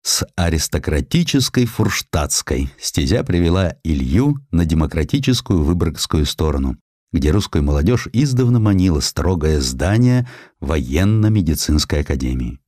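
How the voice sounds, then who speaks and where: Deep-voiced man narrating history. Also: sing-song, normal speed, darkish tone, no room sound, clean studio sound. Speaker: audiobook narrator. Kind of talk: dramatic literary scripted narration of historical prose.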